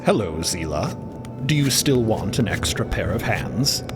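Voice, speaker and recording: A man's voice: lowish voice, sing-song, unhurried, over music. A man voicing a literal-minded, childlike newcomer to a human body, formal, stilted and obedient, in audio fiction. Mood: polite, helpful. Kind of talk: scripted audio fiction dialogue.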